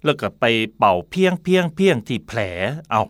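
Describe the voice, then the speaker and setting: A middle-aged man from Thailand hosting a radio talk segment. He tells stories with a pitch that swings widely and acts out the voices he quotes. The sound is close and dry, with no room around it. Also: animated, a little fast, dry recording. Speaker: radio host.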